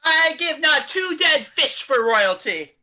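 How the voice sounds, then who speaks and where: Woman acting a grand, exalted, high-voiced penguin preacher. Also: big pitch swings, slow, bright, forceful tone, exaggerated voice. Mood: haughty, theatrical. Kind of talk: improvised comedy acting.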